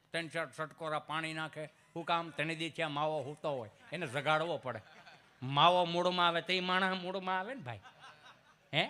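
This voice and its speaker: A man spinning stand-up folk tales in a high, piercingly bright voice. He drops into low mumbles to play the village characters, then climbs to loud, preachy exhortation about faith. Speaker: comedian. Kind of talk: Gujarati folk stand-up storytelling.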